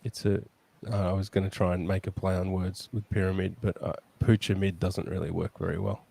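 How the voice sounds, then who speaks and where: A man's voice: low voice, little pitch movement, fairly quick, gravelly, mellow. A man co-hosting a comedy podcast, teasing dryly and restarting his sentences. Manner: dry teasing, hesitant restarts. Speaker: podcast co-host. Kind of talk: casual comedy chat.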